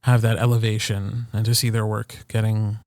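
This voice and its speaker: A man chatting casually and reflectively as a podcast co-host, in a halting, conversational way. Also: on the low side, little pitch movement, a little mellow, no room sound, studio quality. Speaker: podcast co-host and audiobook narrator.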